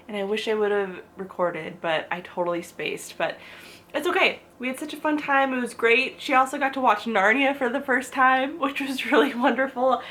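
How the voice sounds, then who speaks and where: A young book and lifestyle vlogger chats casually to camera with a fairly bright, medium-pitched voice. She has a stuffy nose and a cough but stays bubbly and talkative, saying "like" a lot and laughing often.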